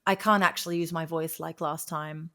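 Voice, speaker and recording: Female interview guest, lowish register, chatty and animated, recounting personal experiences informally. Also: moderate pace. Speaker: guest, singer and vocal coach. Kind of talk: casual personal storytelling in an interview.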